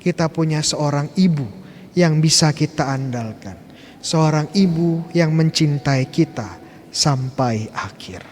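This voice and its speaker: A man's voice: on the high side, measured pace, darkish tone. A Catholic priest giving a Sunday homily in a church, putting questions to the congregation and tagging his phrases with a conversational "ya". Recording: long church reverb, faint background noise.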